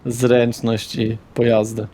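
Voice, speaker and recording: A man's voice: medium pitch, monotone, slow pace, mellow, a little hiss or hum. A man refereeing a tabletop role-playing game as game master, explaining things in a conversational way.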